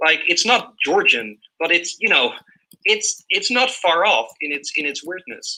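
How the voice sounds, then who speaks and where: A man at a moderate pace with a Dutch accent. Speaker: linguistics lecturer. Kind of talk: lecture. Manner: halting, many fillers and repetitions; casual, animated.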